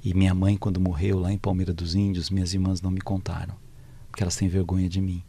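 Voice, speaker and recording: A man's voice: low-pitched, flat delivery, fast talker, dark tone, slightly rough. A man voicing an earnest, talkative male mourner who cries at wakes, in a plaintive, questioning way. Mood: sad.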